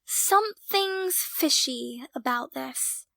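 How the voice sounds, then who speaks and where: A woman acting a blunt, suspicious, sharp-tongued young woman in an audio drama. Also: sits high, lively intonation, slow pace, gravelly, dry recording, full character voice. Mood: wary.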